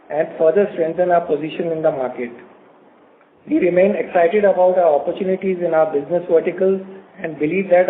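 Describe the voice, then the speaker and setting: A man with an Indian accent speaking as a company executive on an earnings call, formal, measured and halting. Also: high voice. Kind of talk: prepared business remarks and investor answers. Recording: phone-like conference line with faint noise.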